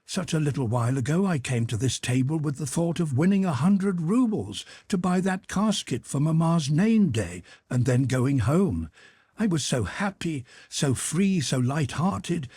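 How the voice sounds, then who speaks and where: A man's voice: mid-range voice, a little mellow, slightly rough, no echo, studio quality, pitched above the performer's own voice. A man reading the part of a young nobleman gambler, proud but desperate, questioning himself in anxious, pleading inner talk.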